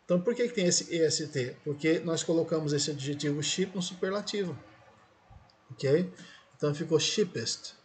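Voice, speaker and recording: A man's voice: on the high side, moderate pace. A male English teacher with a Brazilian Portuguese accent, explaining grammar patiently in a recorded lesson and checking often that students follow. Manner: patient, repeats "certo?" and "ó" to check understanding.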